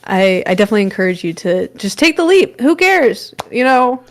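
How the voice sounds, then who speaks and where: A woman's voice: mid-range voice, sing-song, a little fast. Slangy, encouraging woman in casual chat. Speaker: livestream guest and content creator.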